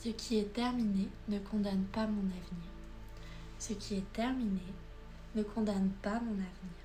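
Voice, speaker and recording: Over music in the background, a woman speaks at medium pitch in a flat monotone, with long, frequent pauses. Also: fairly slow pace. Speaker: ASMR creator. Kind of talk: ASMR positive affirmations for breakup healing. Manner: soft, calming, intimate.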